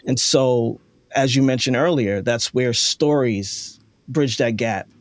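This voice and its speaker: Male interview host, medium pitch, earnest and affirming, recorded close and dry. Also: slow, no room sound. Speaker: interview host, audio dramatist. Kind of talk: reflective interview conversation.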